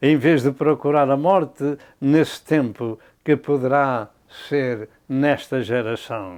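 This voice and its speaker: A man speaks with a European Portuguese accent and a fairly high pitch. The recording is very clean, with a silent background. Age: 80s+. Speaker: preacher. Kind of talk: sermon.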